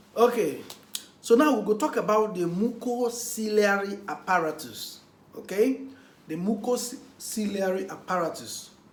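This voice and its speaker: Noticeable background noise accompanies a voice moving at a fairly slow pace. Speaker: doctor. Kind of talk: medical lecture in pidgin.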